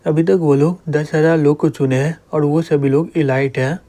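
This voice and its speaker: A man's voice: a little high, fairly even intonation, moderate pace, warm tone, lightly acted. A man voicing a jealous, scheming young man who gloats in his thoughts. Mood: gloating.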